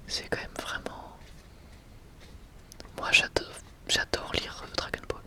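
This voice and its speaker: A person whispering softly and breathily in an informal, hesitant, unhurried ASMR showcase. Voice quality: soft, breathy unvoiced whisper. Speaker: ASMR video creator.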